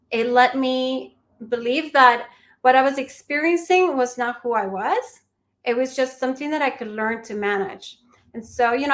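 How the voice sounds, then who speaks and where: A woman's voice: fairly high pitch, fairly bright tone. Earnest reflective woman from Peru. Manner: earnest, reflective, with restarts and small laughs. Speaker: mindfulness teacher, guest. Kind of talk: conversational interview answers.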